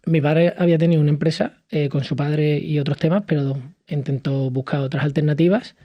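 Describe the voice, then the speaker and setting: A man from Cádiz in his thirties, speaking as a podcast guest in a lively conversational way, with frequent fillers and restarts. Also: a little high, fairly quick, dry recording, muffled recording. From southern Spain, Cádiz. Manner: animated storytelling with many fillers and restarts. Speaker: podcast guest, hospitality entrepreneur. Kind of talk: conversational interview.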